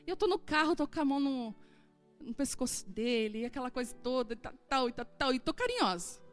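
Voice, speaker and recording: A woman's voice: sits high, a little fast, soft background music. A woman in her forties, a pastor, preaching a sermon in a church and acting out dialogue as she tells stories. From southern Brazil. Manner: animated storytelling, acting out dialogue. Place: church hall.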